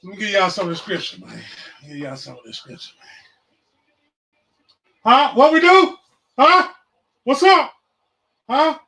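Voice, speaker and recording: A man in his forties hosting a casual livestream podcast, mixing loud, repetitive outbursts with profane, slangy sermon-like talk. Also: very high-pitched, wildly swooping pitch, a little slow, pauses often. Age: 40s. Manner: profane, slangy, calls out viewers. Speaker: podcast host. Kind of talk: casual preaching and chat. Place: livestream, home setup.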